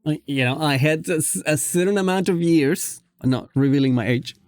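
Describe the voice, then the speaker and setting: A man whose first language is Spanish, speaking English in an unscripted casual gaming vlog with a self-conscious, halting manner. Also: a little high, darkish tone, dry recording. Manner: self-conscious, halting, often giggling at own slips. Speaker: video creator. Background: background music.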